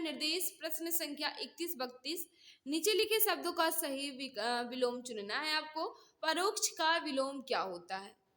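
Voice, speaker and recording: High, bright woman teaching. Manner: repeats questions and answers, prompts listeners to answer. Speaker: teacher hosting an online exam-prep class. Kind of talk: mock-test quiz lesson, reading questions and explaining answers.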